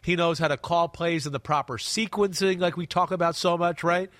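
A man with a clogged-up, sniffly voice breaks down football in a casual studio chat. His pitch sits a bit high and he keeps leaning hard on his points, often checking in with "right?" The sound is close and dry, with no room around it. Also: steady tone, fairly quick, a bit bright, dry recording. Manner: emphatic, repeats words, asks "right?". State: stuffy and congested. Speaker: podcast co-host. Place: studio desk close to co-host.

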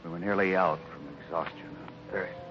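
An actor playing a grave, kindly Western ranch boss, speaking slowly and solemnly in 1950s radio drama style. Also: male voice, low voice, steady tone, natural voice. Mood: grim, solemn. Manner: slow, deliberate, solemn. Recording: muffled, noisy old radio recording.

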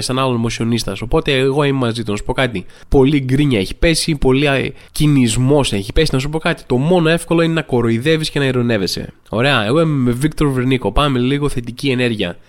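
Sarcastic Greek man doing comic monologue. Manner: sarcastic, mock-serious storytelling with sudden pitch jumps. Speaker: podcast host.

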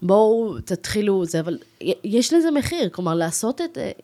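A woman's voice: mid-range voice, sing-song, dark tone. A woman in her thirties, a guest on a casual podcast interview, telling her story in an enthusiastic, chatty way. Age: 30s.

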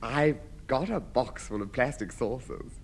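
An actor playing a smug, genteel householder who keeps selling junk in a 1950s radio comedy, with a wry, sly patter. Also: male voice, medium pitch, lively intonation, measured pace, very noisy. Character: smug, sly middle-class householder, man.

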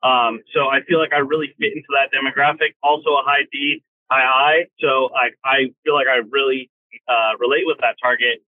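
A man who works as a real estate agent asks a question on a phone call from his car while driving, talking haltingly with many fillers. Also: mid-range voice, fairly even intonation, dry recording. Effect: phone call from a moving car. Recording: tinny phone line, dry.

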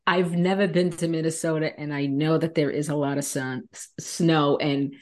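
A woman from New York hosting a podcast, asking questions in a warm, encouraging and enthusiastic way. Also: sits low, fairly even intonation, moderate pace. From New York, USA. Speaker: podcast host. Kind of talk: casual interview conversation.

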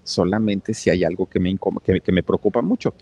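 A man's voice: deep voice, brisk, vocal fry, warm tone. A man voicing a poor, hard-drinking father who works as a mailman, speaking in a pleading, worried way.

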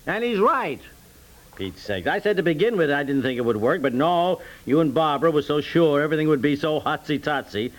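A man's voice: on the high side, animated, brisk, natural voice. A man playing a good-hearted but grumbling, easily indignant husband in 1950s American radio comedy.

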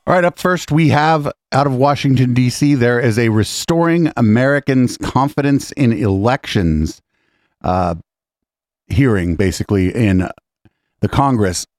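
A man with a hoarse voice hosting a live-streamed show in a relaxed, casual way, clearing his throat now and then. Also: mid-range voice, unhurried, no echo. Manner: relaxed, loose delivery with fillers. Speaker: podcast host. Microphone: studio microphone.

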